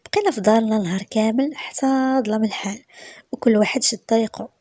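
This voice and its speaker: A Moroccan woman narrating a first-person romance story in a soft voice that often drops to a whisper. Her tone is breathy and mellow and sits a little high. She speaks quickly, close to the mic in a dry room. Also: dry recording.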